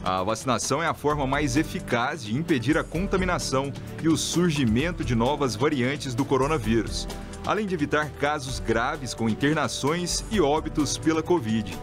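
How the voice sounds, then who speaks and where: A man from Brazil reading scripted local news as a radio presenter, in a steady announcer delivery. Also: medium pitch, moderate pace, music in the background.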